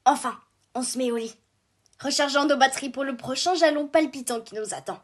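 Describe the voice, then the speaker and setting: Woman playing a high-voiced corporate robot boss. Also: brisk. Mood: brisk, confiding. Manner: chirpy office jargon, forced professionalism. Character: peppy corporate-minded female killer robot squad leader, brittle composure. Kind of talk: scripted fan dub of an animated series.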